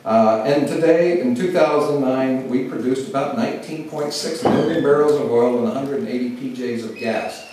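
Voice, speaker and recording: A middle-aged man from Oklahoma, giving a measured public speech as a government speaker on oil and gas, often pausing on "uh". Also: medium pitch, noisy background. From Oklahoma, USA. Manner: measured, many "uh" fillers. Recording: roomy hall, distant mic.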